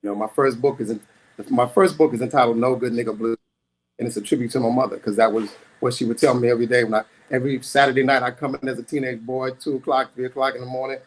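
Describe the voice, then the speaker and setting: A man's voice: medium pitch, fairly even intonation, fast, low-quality recording. A middle-aged man performing spoken-word storytelling at an open mic, dramatic, with rhythmic repetition.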